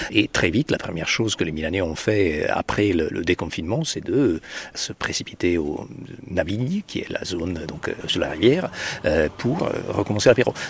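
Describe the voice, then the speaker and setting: Noticeable background noise sits behind a man with a very deep, low pitch. He talks at a moderate pace with lively intonation. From Italy. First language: Italian (speaking French). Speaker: sociologist and professor. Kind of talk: interview conversation. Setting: outdoors in a garden. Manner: hesitant with fillers.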